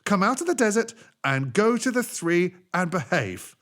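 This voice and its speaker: A man's voice: high voice, sing-song, moderate pace, a bit bright, voice pushed up. A man voicing a stern, wily magical djinn of the desert in a storybook, emphatic and admonishing. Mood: triumphant scolding.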